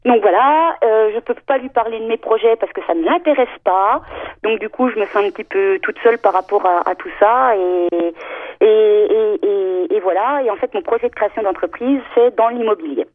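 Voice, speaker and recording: A woman's voice: medium pitch, moderate pace. A woman in her thirties from France calls in to a show, hesitant and rambling with many fillers. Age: 30s. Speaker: caller. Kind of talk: phone call to a show. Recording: tinny phone line.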